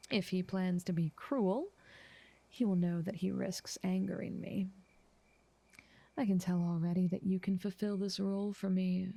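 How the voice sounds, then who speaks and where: A woman voicing an ancient, motherly vampire in an ASMR roleplay, soft, half-whispered, doting and possessive, speaking in an unhurried, genteel way. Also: mid-range voice, creaky, dry recording. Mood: tender, possessive.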